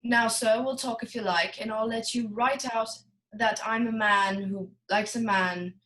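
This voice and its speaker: Radio play villain, female actor: genial, long-winded criminal mastermind, orotund and theatrical, a little high in pitch. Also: fairly even intonation, a little slow, fairly bright tone, rough recording. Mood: jovial, expansive. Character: jovial, wordy, scheming fat male crime boss. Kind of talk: film noir radio play acting.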